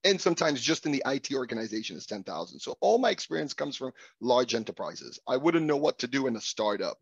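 A middle-aged man whose first language is Italian hosts a video-call conversation, swinging his pitch all over the place as he jokes at his own expense. His voice is gravelly and husky. The dry, dull call audio sounds lo-fi. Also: big pitch swings, fast talker, dry recording. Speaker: host. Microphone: webcam on a video call.

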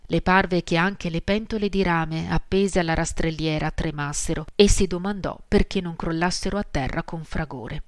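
A woman narrating an audiobook at a measured, even pace. Her voice is lowish and close to the mic, in a dry studio booth. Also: dry recording. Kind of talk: scripted narration.

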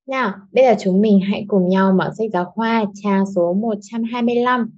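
A young woman teacher leads pupils through a lesson in an even, mid-pitched voice. She explains patiently, step by step, and keeps checking that they follow. The recording sounds a little dull and lo-fi. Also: a little fast. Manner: patient, explains step by step, asks "đúng không". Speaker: English teacher. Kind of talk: online lesson for schoolchildren.

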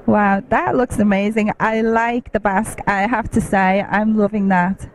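A woman in her thirties, hoarse from losing her voice, flirtily interviewing cosplayers with a handheld mic in a busy convention hall. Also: medium pitch, steady tone, a little slow, a little hiss or hum. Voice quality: husky. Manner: flirty, playful, laughs often. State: hoarse, lost voice.

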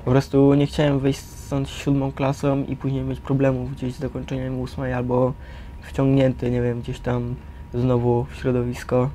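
A man's voice: medium pitch, completely flat delivery, normal speed, warm tone. A young man giving a candid, casual account in slangy speech full of tag questions. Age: teenager or young adult. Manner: slangy, tags phrases with a questioning filler. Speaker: resident of a youth care centre. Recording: faint background noise.

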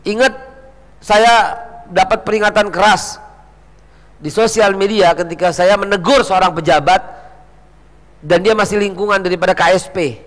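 A man with a high voice delivers a fiery, scolding sermon. His words ring with long reverb from a hall. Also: moderate pace, pauses often. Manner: fiery, scolding, mocks others in slangy voice. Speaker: preacher.

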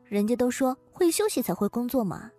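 A woman playing a high-pitched, pert young female colleague. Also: very animated, fairly quick, dark tone, faint music behind. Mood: caring.

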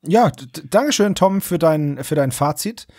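Slightly husky man in casual joking chat. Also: on the high side, expressive, measured pace, darkish tone, no room sound, clean studio sound. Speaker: podcast co-host and quiz contestant.

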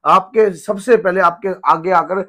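A hoarse man in his thirties, a spiritual guru giving an earnest devotional teaching talk at home. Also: sits high, unhurried, bright, forceful tone. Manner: earnest, gesturing, repeats himself. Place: home room with a shrine, indoors.

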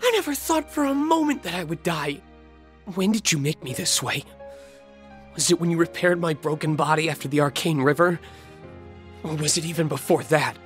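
An actor playing a reckless, thrill-seeking young man in a video game, emotional and sardonic, with a husky voice. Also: fairly high pitch, lightly acted. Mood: pained realization. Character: reckless thrill-seeking young man, betrayed creation pleading with his father. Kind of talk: dramatic video game voice acting.

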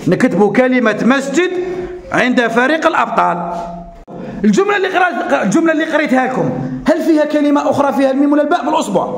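Algerian guy teaching little kids, really high voice, talks fast, echoey classroom. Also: gravelly. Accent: Algerian Arabic. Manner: animated, coaxing teacher voice, slow deliberate dictation. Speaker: primary school teacher. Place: school classroom.

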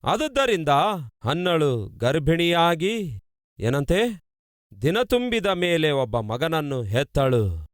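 A man preaching a sermon on a close microphone, with a smooth, resonant voice set a little high. He sways between slow, low emphasis and quick, rising bursts, repeating phrases for effect. The sound is dry and close. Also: dry recording. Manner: preaching with dramatic swings in pitch and pace, repeating phrases. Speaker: pastor.

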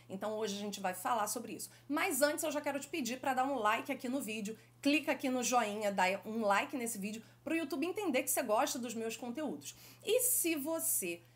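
Lively Brazilian woman teaching French. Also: on the high side. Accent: Brazilian Portuguese. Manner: affectionate, lively direct address to viewers. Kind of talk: YouTube language lesson.

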